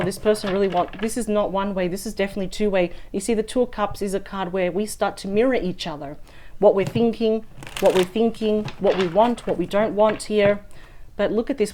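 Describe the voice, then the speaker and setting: A woman reading tarot cards, chatty and thinking aloud. Her voice is husky and a little weak after a sore throat. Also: medium pitch, moderate pace, a little mellow, a little hiss or hum. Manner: chatty and thinking aloud, often adds "right?". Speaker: tarot reader. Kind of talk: weekly tarot card reading.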